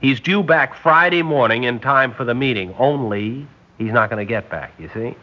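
A man playing a scheming male spy who poses as a loyal engineer, with a smooth, sly, sarcastic delivery in a vintage radio drama. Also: medium pitch, normal speed, close to an everyday voice. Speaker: scientist on a secret propulsion project. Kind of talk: 1950s radio drama acting. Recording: dull lo-fi vintage radio broadcast.

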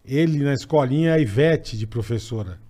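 A man's voice: medium pitch, normal speed, mellow. A man hosting a casual chat, chiming in with slangy remarks.

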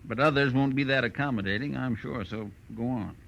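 An actor playing a jovial, shifty crook boss who runs a garage, chuckling and wheedling in a 1940s radio crime drama. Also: male voice, mid-range voice, fairly quick, creaky, a bit bright. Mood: menacing, oily. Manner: chuckling, smug, wheedling, slangy. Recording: muffled vintage radio recording.

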